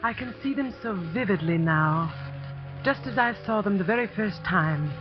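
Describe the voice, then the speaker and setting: A woman's voice: medium pitch, lively intonation, moderate pace, close to an everyday voice. An actress playing an earnest young woman, a new sports teacher who narrates her own story in a 1940s radio drama. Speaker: narrator and lead character. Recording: muffled 1940s radio broadcast with music.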